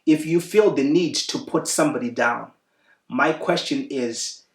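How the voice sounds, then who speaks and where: A man on a discussion panel speaks in a measured, preachy way. His voice sits at a middle pitch. It sounds distant and roomy, as if he is far from the mic. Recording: echoey room from far off.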